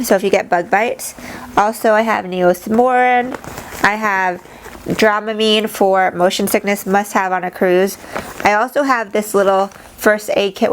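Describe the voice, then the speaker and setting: A woman's voice: medium pitch, slight background noise. A woman giving a casual, chatty show-and-tell as a travel vlogger, explaining things informally to camera.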